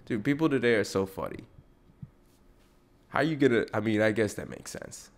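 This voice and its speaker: A man's voice: fairly low pitch, normal speed. A young man hosting a comedy podcast on his own, rambling, swearing a lot and interrupting himself. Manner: profane, rambling, self-interrupting. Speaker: podcast host. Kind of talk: solo comedic podcast rant.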